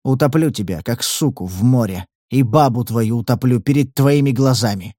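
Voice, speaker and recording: A man voicing a cruel, proud male patriarch's son of about forty, threatening in a lowered voice. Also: moderate pace, warm tone, dry recording, clean studio sound, lightly acted. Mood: menacing. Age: 40s.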